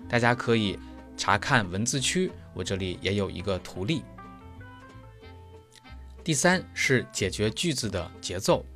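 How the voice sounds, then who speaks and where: A man's voice: lowish voice, expressive, a little slow, long pauses, fairly bright tone, faint music behind. A male German teacher explaining pronunciation step by step, leaning on everyday analogies. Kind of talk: explanatory lesson.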